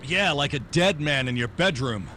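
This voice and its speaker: An actor playing a tough, wisecracking private detective in a 1940s-style radio noir drama, with slangy, wry delivery. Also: male voice, on the high side, animated, moderate pace, sharp tone, a little hiss or hum. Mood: tough, insistent. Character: hard-boiled, wisecracking male private detective narrating his case. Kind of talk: 1940s radio noir acting, first-person narration.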